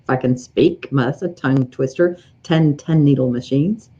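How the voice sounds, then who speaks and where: A woman's voice: rumbling low, normal speed, dark tone. Chatty Southern woman on a livestream. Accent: East Tennessee Southern. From East Tennessee, USA. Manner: chatty, rambling, frequent fillers and restarts. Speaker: livestream host, embroidery educator. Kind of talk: casual live-stream chat greeting viewers. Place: home sewing room. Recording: slightly dull lo-fi livestream audio.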